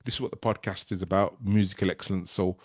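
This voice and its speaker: A man's voice: sits low, fairly even intonation, quick pace, breathy edge, no echo, studio quality. A man hosting a podcast, chatty and friendly, telling stories with "I says". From United Kingdom. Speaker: podcast host. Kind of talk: casual interview talk.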